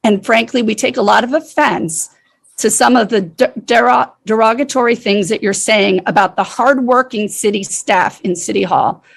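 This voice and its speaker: A woman's voice: a little high, normal speed, gravelly, breathy edge. A woman from the city staff speaking at a council meeting with a scratchy voice, concerned and defensive. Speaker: municipal staff member.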